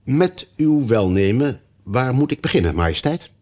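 A man doing a fussy, hurried white rabbit. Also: medium pitch, sing-song, darkish tone, voice pushed up, close to an everyday voice. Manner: deferential, hurried. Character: fussy nervous white rabbit herald, male.

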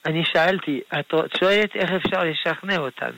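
A rabbi answers listeners' questions on a call-in radio show, his voice sitting a little high with a gravelly, bright edge. He explains things patiently and gently and is never in a hurry. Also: no echo, rough recording. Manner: gentle, unhurried, explains patiently with soft laughs.

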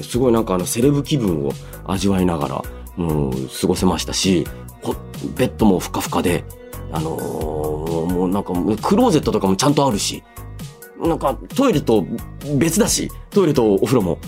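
A man hosting a solo radio show, chatting and reading listener mail in an animated way, slipping between polite announcing and casual asides. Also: lowish voice. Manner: animated storytelling with sound-effect words and casual asides.

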